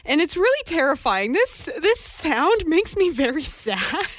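A woman co-hosting an afternoon radio show with a high, very lively voice that swoops up and down as she reacts. She sounds close and dry in the studio. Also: dry recording. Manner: animated, expressive, quick reactions. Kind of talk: casual radio chat.

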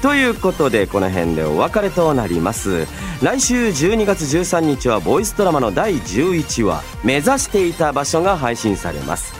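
A man presents a radio programme with very lively, swinging intonation over background music. His pitch sits in a middle range, and he sounds playful and polite as he chats to listeners. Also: moderate pace, few pauses. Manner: playful, polite, animated delivery. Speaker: radio show host. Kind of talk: chatty radio show hosting, reading announcements and listener mail.

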